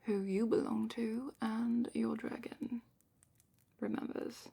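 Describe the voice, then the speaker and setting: A woman playing a calm, patient dragon keeper guiding a student, in a gently wry, soft whisper for a fantasy ASMR roleplay, close to the microphone. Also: fairly high pitch, takes it slowly, full character voice. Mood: calm, instructive. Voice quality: breathy whisper and soft-spoken murmur.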